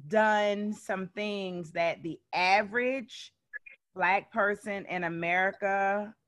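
A woman hosting a podcast, asking her guest questions in a deliberate, emphatic way. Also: mid-range voice, fairly bright tone, dry recording, clean studio sound. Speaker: podcast host. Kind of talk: podcast interview.

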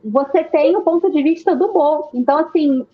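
High-voiced Carioca woman talking Rio street slang. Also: moderate pace, phone-quality sound. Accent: Carioca (Rio de Janeiro). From Rio de Janeiro, Brazil. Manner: informal, slangy, swears casually. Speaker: panelist discussing films. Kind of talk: casual film discussion with Rio street slang.

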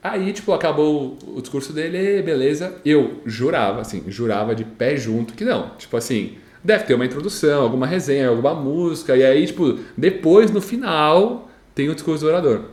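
A man's voice: on the high side, animated, fairly quick, hardly any pauses, darkish tone. Young brazilian man, casual storytelling, slight stammer, repeats words, echoey room. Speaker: storyteller recounting his graduation speech.

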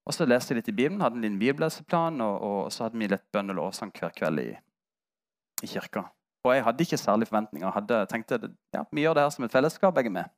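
A man, preaching as a pastor at a middle pitch. He tells a personal story candidly, with self-mocking humor and a lively, conversational sermon delivery. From Norway.

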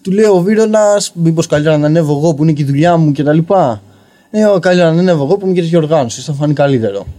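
A young man telling a story casually on a podcast as a guest comedian, rambling and filling pauses with "you know". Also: on the high side, dark tone. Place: basement podcast studio.

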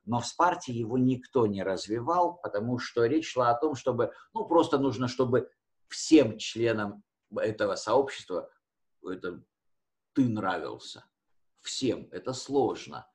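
A man teaching history conversationally, explaining with hesitations and rephrasing his key words as he goes. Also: mid-range voice.

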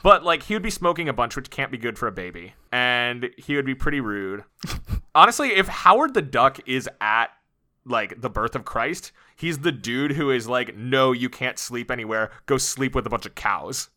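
Joking male podcast co-host, bright tone. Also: mid-range voice, expressive, normal speed. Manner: playful, joking. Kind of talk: casual podcast chat.

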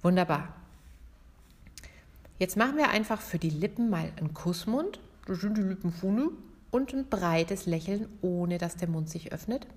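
A woman singing teacher guiding a vocal warm-up in a podcast lesson, calm and encouraging as she talks the listener through each exercise. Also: lowish voice, normal speed. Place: podcast episode.

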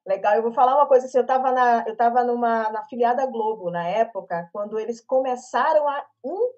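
A Brazilian woman speaking as a guest in a casual live panel chat, an animated and expressive storyteller on a video call. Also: fairly high pitch, a little fast. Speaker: panel guest, media professional. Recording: lo-fi online call audio.

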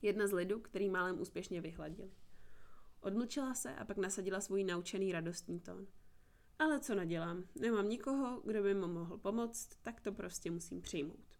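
A woman's voice: mid-range voice, lightly acted. A woman reading a captive young woman, earnest. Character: young woman held captive, eager and bitter. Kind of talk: audiobook reading.

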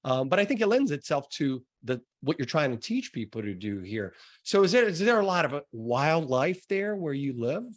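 A man's voice: a little high, sing-song, normal speed, few pauses. A man with an American accent hosting a podcast, interviewing in a casual, rambling way with repeated words. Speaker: podcast host.

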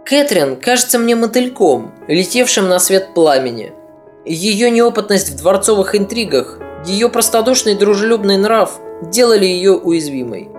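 Brief: podcast history narrator, measured, wry asides, mid pitch, soft music bed. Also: lively intonation. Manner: measured storytelling with ironic asides.

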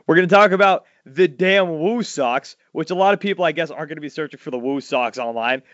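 A man, hosting a casual podcast chat and telling stories loudly, his voice jumping up high when he gets worked up. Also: brisk, no room sound. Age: 40s. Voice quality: loud voice. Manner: animated storytelling, swings high when excited. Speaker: podcast host. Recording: dull lo-fi dry sound.

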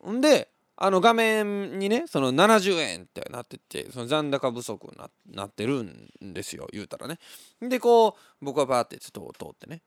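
With a slightly high voice at a moderate pace, a young man chats casually on his podcast, sharing listener messages and animated stories with sound effects. He laughs frequently, and the studio sound is clean and dry.

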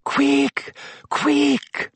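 A man voices a clever, anxious teenage girl from a storybook. The voice is hushed and urgent, lifted high above a natural male register. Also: expressive, normal speed, slightly rough, no echo.

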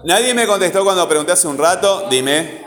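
A man's voice: high voice, expressive, crowd noise. Man teaching, quizzing the class. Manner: asks many rapid questions, stresses key words. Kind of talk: online class lesson. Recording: roomy echo.

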